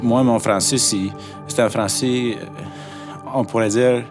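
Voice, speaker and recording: A man's voice: mid-range voice, fairly even intonation, unhurried, over music. A man from Mexico talks about his French, hesitating and repeating himself. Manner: hesitant, with "euh" and repetitions. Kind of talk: casual testimony.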